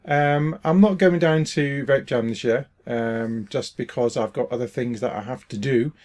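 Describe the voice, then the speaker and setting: A man's voice: mid-range voice, moderate pace, darkish tone. A man hosting a casual interview, easygoing and hesitant with many fillers. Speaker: host interviewing a guest.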